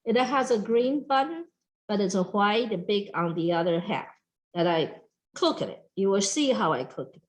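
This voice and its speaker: A woman's voice: medium pitch, normal speed, poor audio. A middle-aged woman from Taiwan with a Taiwanese accent, giving a chatty, emphatic cooking demonstration at a farm workshop. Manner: lively, chatty, emphatic, talks straight to the audience with frequent "okay?". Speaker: extension educator.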